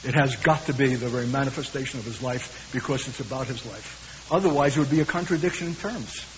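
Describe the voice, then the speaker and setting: Brooklyn guy preaching, emphatic, slow heavy pauses, old hissy tape in a big echoey hall. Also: medium pitch. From USA. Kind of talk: sermon. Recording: hissy, dull recording in a reverberant hall.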